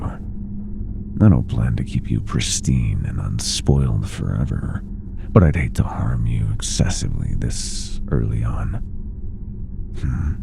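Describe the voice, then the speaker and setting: A man voicing an ancient, possessive monster in a horror ASMR roleplay, gloating and menacing with a gravelly, breathy half-whisper and mock-tender taunts. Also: a bass voice, noisy background, exaggerated voice. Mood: condescending, menacing.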